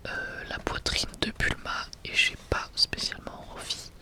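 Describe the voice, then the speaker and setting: An ASMR video creator whispers softly and breathily, the whisper fully unvoiced, in a casual, hesitant, unhurried showcase.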